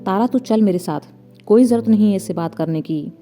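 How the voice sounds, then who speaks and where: A woman's voice: medium pitch, a little fast, warm tone, soft background music, close to an everyday voice. A woman voicing a firm, protective middle-aged mother who scolds, in a storybook reading. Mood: scolding. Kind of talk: storybook narration.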